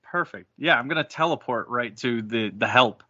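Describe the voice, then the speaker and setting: A man's voice: medium pitch, moderate pace, sharp tone, lo-fi sound. A man playing in a tabletop roleplay game, chatting casually and speaking for his character. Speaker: player in a tabletop roleplay podcast.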